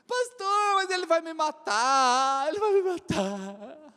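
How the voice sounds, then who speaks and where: A woman voicing a young unmarried pregnant woman who whines and pleads in a drawn-out way, in a hall with long reverb. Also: very high-pitched, very animated, a bit bright, pitched above the performer's own voice, full character voice. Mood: whiny pleading.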